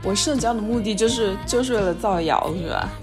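A woman's voice: medium pitch, a little fast, over loud music. A woman co-hosting a casual podcast chat, telling stories with energy and acting out what others said. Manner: animated storyteller, acts out quoted speech. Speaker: podcast co-host.

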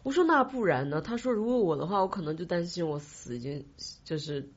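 A woman's voice: lowish voice, animated, fairly quick, husky. A woman podcast host in casual chat, teasing and inquisitive, often cutting in. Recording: dull lo-fi audio.

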